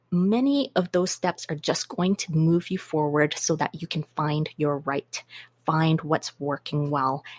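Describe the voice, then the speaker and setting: A woman guest on a business podcast, answering interview questions in a measured, methodical way. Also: sits low, no echo. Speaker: guest, business systems consultant.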